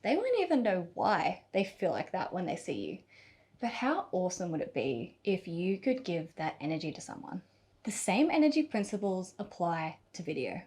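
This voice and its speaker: Expressive woman coaching on camera. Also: on the low side. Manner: expressive, deliberate pauses and emphasis. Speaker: video coach. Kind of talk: scripted on-camera tutorial.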